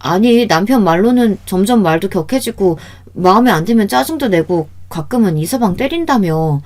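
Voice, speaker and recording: A woman's voice: mid-range voice, lively intonation, normal speed, a little mellow, natural voice. A woman voicing an earnest, worried daughter. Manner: earnest, questioning.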